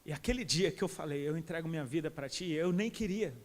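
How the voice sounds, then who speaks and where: A man's voice: a little high, fast talker. A middle-aged man with a Brazilian Portuguese accent preaching a sermon in an impassioned, colloquial way. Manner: impassioned, colloquial, calls listeners "cara". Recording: long reverb of a large hall.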